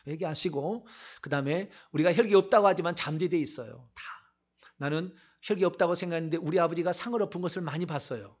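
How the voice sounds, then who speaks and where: A man with a notably high-pitched voice leads a night prayer meeting as the pastor, guiding the congregation through confession. The recording sounds dull and lo-fi, as if captured in a church. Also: husky. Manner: slow confessional prayer, then loud fervent shouted prayer. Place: church sanctuary.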